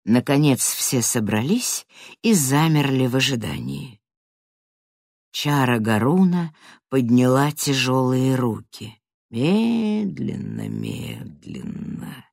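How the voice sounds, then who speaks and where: An audiobook narrator reading a fantasy story in a dramatic way, swinging from hushed to loud. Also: medium pitch, big pitch swings, slow, vocal fry, no echo, studio quality.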